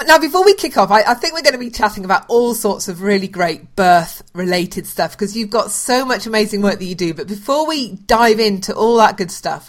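A woman hosting a podcast, chatty and enthusiastic as she introduces the episode and her guest. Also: medium pitch. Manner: chatty, enthusiastic, repeats herself. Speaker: podcast host.

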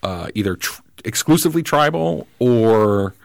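A man, a podcast guest, talking through political ideas in casual conversation, thoughtful and halting, with many restarts. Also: on the low side, expressive, vocal fry, dry recording.

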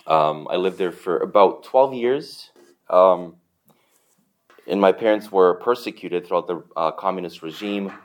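A man in his forties with a Romanian accent, giving a relaxed, chatty church testimony full of fillers and soft chuckles. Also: deep voice, a little slow.

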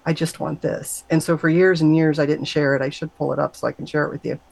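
A woman's voice: little pitch movement, fast, creaky, a little mellow, no room sound, low-quality recording. A middle-aged woman, a guest on an interview show, telling her personal story in an earnest, conversational way. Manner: earnest, acts out quoted voices with high pitch jumps. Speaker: guest sharing a near-death story.

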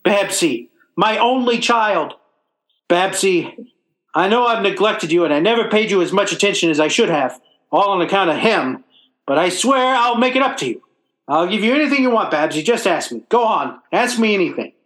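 A man's voice: high voice, animated, moderate pace, a bit bright, roomy sound, low-quality recording. An actor playing a blustering, self-pitying working-class father in old-time radio comedy style, with stammering, folksy, ungrammatical speech. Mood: pleading.

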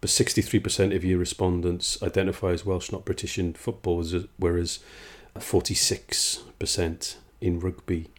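A man's voice: low-pitched, flat delivery, moderate pace, hardly any pauses. A man interviewing a researcher, reflective and hesitant, often repeating words. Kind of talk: conversational interview.

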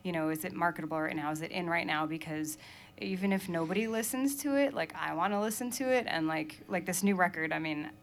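A woman's voice: on the low side, fast, a little hiss or hum. A young adult woman from Maine, a musician chatting casually in an interview, laughing often and filling her talk with "like" and "um". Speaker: musician guest.

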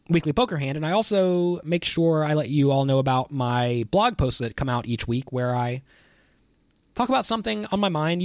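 A male poker coach talks through hands in an explanatory, analytical way, often asking a question and then answering it. His voice sits a little high and moves around a lot in pitch. The recording is very dry, with no room sound. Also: no room sound. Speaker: poker coach, show host. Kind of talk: instructional poker hand commentary.

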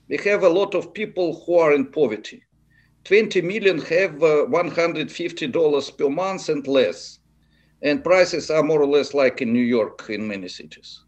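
A man with a Russian accent, speaking non-native English in a halting way as he gives unscripted political analysis in an interview. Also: on the high side, dull audio.

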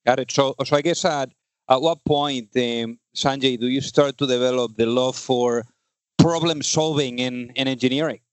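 A man's voice: mid-range voice, steady tone, moderate pace, smooth, no echo. A man hosting a business podcast, talking in a conversational way with fillers and repeated words. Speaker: podcast host. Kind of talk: casual interview.

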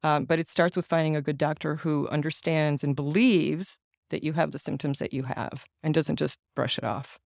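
A man's voice: on the high side, steady tone, normal speed, vocal fry, dry recording, studio quality. A middle-aged man raised speaking Ukrainian, answering interview questions in an earnest, explanatory way with frequent restarts. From United States, Ukrainian American family. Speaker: guest, patient advocate and author.

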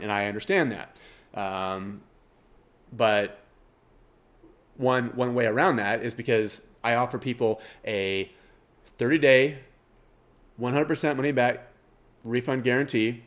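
A man's voice: medium pitch, measured pace, long pauses. Nasal middle-aged man with a Kansas twang. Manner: rambling, self-deprecating, laughs at himself. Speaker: podcast host. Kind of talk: casual podcast monologue.

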